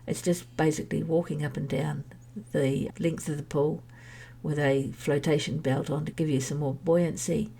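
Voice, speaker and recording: A middle-aged woman hosts her own podcast, her voice low and husky and her tone mellow. She is stuffy with a head cold and speaks candidly, in a chatty, meandering way. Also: level tone, normal speed, hardly any pauses. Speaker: podcast host sharing her health journey. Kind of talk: personal podcast monologue.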